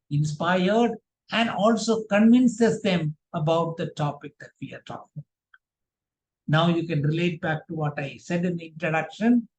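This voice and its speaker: A man teaching a public speaking workshop, speaking deliberately in short, emphatic phrases. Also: high voice. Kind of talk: instructional workshop presentation. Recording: roomy, echoing sound.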